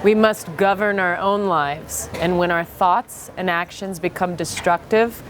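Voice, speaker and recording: A woman's voice: lowish voice, measured pace, background noise. A woman reading a scripted inspirational manifesto aloud.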